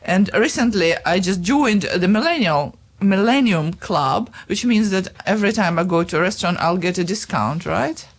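A woman's voice: mid-range voice, animated, moderate pace, few pauses. A woman hosting a casual chat, talking in a playful, easygoing way. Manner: chatty, playful, laughs easily. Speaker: radio host.

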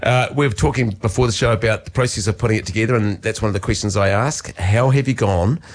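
Chatty New Zealand radio host. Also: male voice, on the low side, quick pace. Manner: friendly, chatty, laughs often, "eh?" tags. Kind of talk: radio interview hosting. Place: radio studio.

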